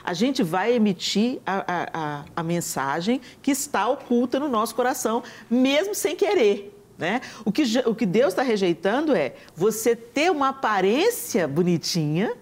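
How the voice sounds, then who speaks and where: This woman's voice is on the high side, moving at normal speed with hardly a pause. A Brazilian guest on a talk show with a Brazilian Portuguese accent, she tells lively stories in an earnest, conversational preaching style. Scripture quotations run through her speech.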